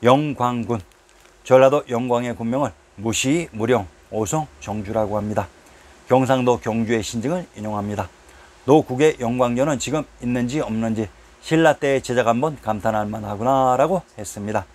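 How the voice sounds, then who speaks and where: Guy reading out a history script, calm and even, goes through place names one by one like a list. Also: medium pitch, moderate pace. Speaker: narrator of history videos. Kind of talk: scripted narration read from a text.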